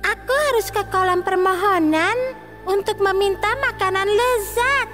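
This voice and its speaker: A woman's voice: very high-pitched, a little slow, a bit bright, faint music behind. A woman voicing a greedy, impulsive little princess with a childlike, pleading manner in a children's fairy tale cartoon. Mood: eager.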